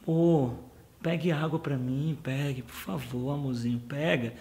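A man's voice: mid-range voice, unhurried, darkish tone, pitched below the performer's own voice, lightly acted. A man mimicking his scolding wife. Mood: wheedling. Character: his nagging, pouting wife, middle-aged woman.

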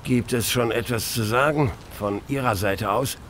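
An actor playing a tactful police detective in a radio play, speaking in a measured, official way. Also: male voice, medium pitch, fairly bright tone, slight background noise, lightly acted. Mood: businesslike. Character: police detective, man, sober and hesitantly tactful. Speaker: actor in an audio drama. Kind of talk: German radio play acting.

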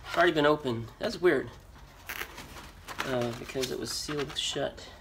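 A man's voice: medium pitch, moderate pace. A middle-aged American man giving casual, unscripted commentary while unboxing, rambling and thinking aloud. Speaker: vlogger, storage auction buyer and reseller. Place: storage unit with concrete floor. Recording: noisy handheld recording, crinkling and clicks. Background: loud rustling, crumpling and clicking.

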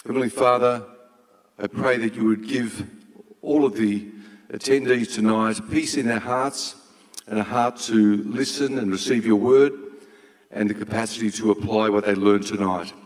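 A man in his sixties hosting an event from a stage, speaking formally in a measured, solemn way. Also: fairly low pitch, steady tone. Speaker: event host. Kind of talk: formal stage introduction and prayer. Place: large auditorium stage. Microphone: handheld microphone. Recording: hall reverb from stage PA.

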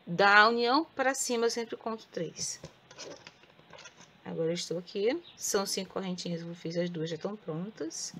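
A woman with a Brazilian Portuguese accent teaching crochet step by step. She speaks softly with a sore throat and counts stitches aloud. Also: mid-range voice, animated, normal speed, a little hiss or hum. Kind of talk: step-by-step craft tutorial.

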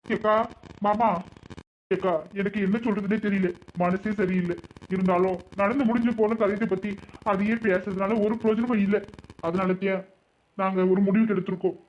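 A man's voice: high-pitched, steady tone, normal speed, natural voice. A man voicing a practical young brother with a southern Tamil Nadu accent, explaining firmly. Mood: somber. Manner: explaining, reasoning. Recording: dull lo-fi sound.

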